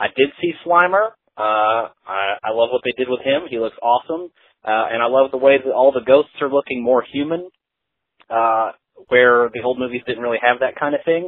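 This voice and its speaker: Moderate pace, ordinary pitch variation and a medium pitch from a man with an American accent. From North Carolina. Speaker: caller. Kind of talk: voicemail. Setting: phone call from parked car.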